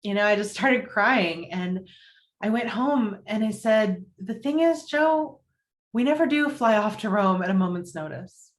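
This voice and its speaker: A woman's voice: medium pitch, expressive, measured pace, lightly acted. Actress playing an earnest, newly single New York woman. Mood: earnest, confessional. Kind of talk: table read of romantic comedy film script. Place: indoors, virtual video-call table read.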